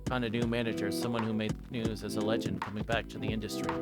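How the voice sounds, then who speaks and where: A man casually narrates a video game playthrough, switching between reading dialogue and offering his own remarks. His delivery is hesitant and halting. Loud guitar music plays behind his voice. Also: lowish voice, little pitch movement. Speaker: streamer playing a visual novel.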